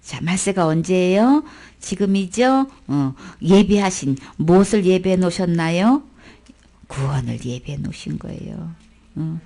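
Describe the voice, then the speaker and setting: A woman's voice: medium pitch, warm tone. A woman teaching a daytime church Bible lesson, coaxing her listeners with one rhetorical question after another.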